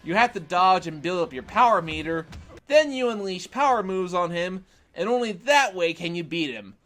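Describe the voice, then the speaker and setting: A man's voice: high-pitched, animated, normal speed, fairly bright tone, soft background music. A man reading a scripted video game review, opinionated, with wry sarcastic asides.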